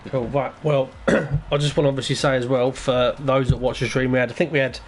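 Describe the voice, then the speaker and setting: A man with a flat, level tone hosts an online racing stream and signs it off. He speaks in an upbeat, thankful way, with faint noise behind him. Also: mid-range voice, brisk. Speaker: stream host. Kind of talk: stream sign-off.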